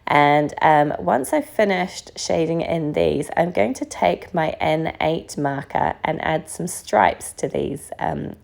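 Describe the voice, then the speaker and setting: Croaky woman narrating a craft tutorial. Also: low voice, takes it slowly, hardly any pauses. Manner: relaxed, chatty, frequent ums. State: croaky voice from recent illness. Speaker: card-making crafter. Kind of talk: casual craft tutorial voice-over.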